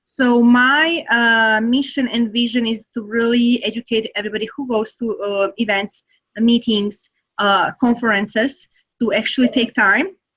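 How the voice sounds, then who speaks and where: A woman with a Serbian accent speaks at a moderate pace, her fairly high pitch held to fairly even intonation. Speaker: networking consultant. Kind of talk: podcast interview. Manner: hesitant, many fillers.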